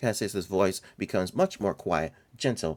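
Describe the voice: Someone is doing plain reading aloud. The intonation moves in a lively way.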